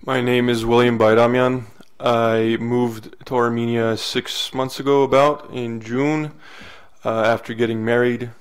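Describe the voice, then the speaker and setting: Smooth, flat-voiced young man. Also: medium pitch, measured pace. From California. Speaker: panelist. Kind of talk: panel self-introduction. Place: university lecture hall panel table.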